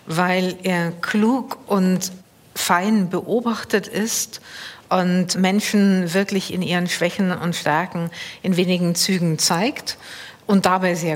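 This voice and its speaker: A woman literary critic presenting her theses in a measured, deliberate way on a panel discussion. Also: lowish voice, big-room sound.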